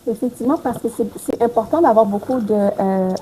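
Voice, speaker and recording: A woman who grew up in Haiti answers podcast questions in a mellow, measured voice and pauses often to find her words. A faint background hiss runs under the recording. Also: a little high, low-quality recording. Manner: calm, measured, with hesitations. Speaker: podcast guest, entrepreneur. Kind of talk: casual interview answers.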